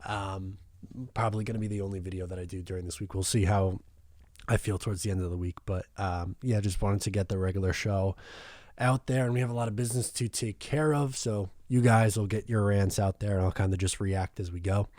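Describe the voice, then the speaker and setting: A man's voice: on the low side, fairly even intonation, a little fast, darkish tone, no echo, studio quality. A young man hosting a casual sports podcast, talking loosely with fillers. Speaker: podcast host.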